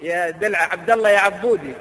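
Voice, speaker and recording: Animated high-pitched male preacher. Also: long reverb tail, slight background noise, rough recording. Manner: animated storytelling, quotes verses in slow drawn chant. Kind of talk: lively sermon with anecdotes.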